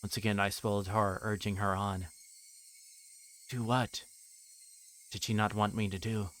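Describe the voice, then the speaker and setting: A man livestreaming a visual novel, reading it aloud and chatting to viewers in a hesitant, halting way. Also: fairly low pitch, flat delivery, a bit bright, a little hiss or hum.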